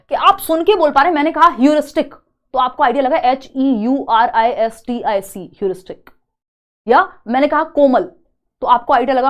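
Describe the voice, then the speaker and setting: A young woman teaching a live online exam-prep class, chatty and teasing, slowly spelling out word examples. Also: high voice. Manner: chatty, teasing students between explanations.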